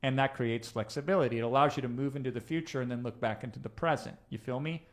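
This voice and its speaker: A man's voice: mid-range voice, quick pace. A man coaching a live audience in a conversational teaching talk, often checking in with "right?" and drifting into asides. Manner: conversational, checks in with "right?", digresses mid-thought. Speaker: coach presenting a live session.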